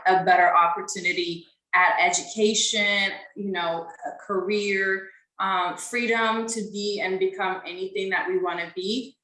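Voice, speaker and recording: A woman's voice: mid-range voice, bright, forceful tone, reverberant, low-quality recording. A young woman from Ethiopia, a podcast guest, answering interview questions in an earnest, casual way with frequent fillers.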